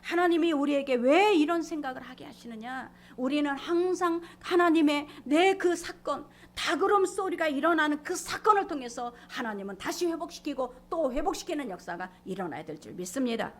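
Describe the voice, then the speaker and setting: A woman's voice: sits high, animated, moderate pace, few pauses. A middle-aged woman pastor giving a sermon, preaching emphatically, acting out quoted lines and dropping into whispers. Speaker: senior pastor.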